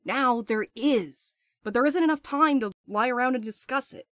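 A woman's voice: fairly high pitch, moderate pace, a bit bright, no room sound, lightly acted. Woman acting a blunt, restless courier, dry sound. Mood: urgent. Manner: blunt, sardonic, urgent. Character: restless, blunt young courier Val, eager to escape. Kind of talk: audio drama acting.

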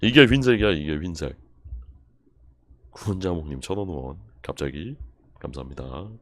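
A young man live-streaming, ranting in exasperation and going over the same point again and again with sudden shouts. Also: rumbling low, expressive, normal speed. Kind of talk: casual live-stream rant.

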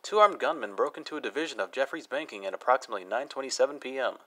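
A radio news announcer, played by a man in a radio play, reading a bulletin in a brisk, formal news delivery. He moves through it at a fast clip. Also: medium pitch, animated, noisy background, close to an everyday voice.

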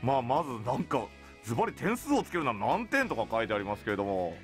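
Animated, fast-talking male radio host. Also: medium pitch, faint music behind. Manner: animated, frequently laughing and agreeing. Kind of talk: upbeat radio hosting, chat with guests. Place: radio studio, seated at a table. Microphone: studio boom microphone, speaking through a face mask.

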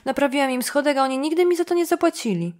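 A sullen male carpenter with a blunt, mocking delivery, voiced by a woman. He speaks loud and high, grumbling over an old grudge. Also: a little fast. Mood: sneering.

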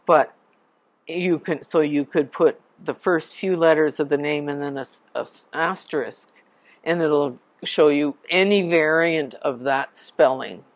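Canadian woman presenter, slow deliberate explainer, dry close sound, spells names out. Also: deep voice, dry recording. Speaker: genealogy presenter. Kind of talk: informal presentation to a local society.

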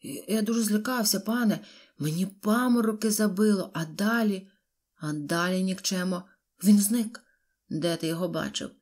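A man's voice: high-pitched, moderate pace, darkish tone. A woman voicing a terrified male villager who stammers and pleads in an audiobook. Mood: frightened.

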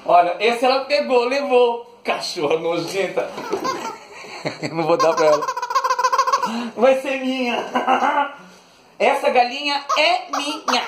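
A man's voice: very high voice, expressive, slow, pauses often, distant mic. A man hosting a casual unboxing vlog, sweetly coaxing his dog and laughing often. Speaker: channel host. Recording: echoey room, voice off the mic, faint noise.

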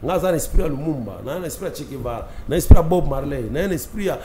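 This Congolese man talks fast and hard, pressing every point, and his voice sits a little high for a man. He mixes French and Lingala in a studio talk-show discussion. Clear noise hangs behind him in the studio. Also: expressive, echoey room. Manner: emphatic, gesturing, mixing French and Lingala. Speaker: studio guest, opinion leader.

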